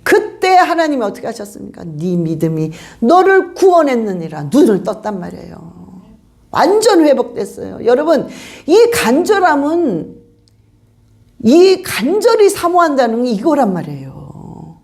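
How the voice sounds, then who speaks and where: Woman pastor, high bright voice with wide swings, presses her points with repeated questions. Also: very animated, normal speed. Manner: emphatic preaching with rhetorical questions. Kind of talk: sermon.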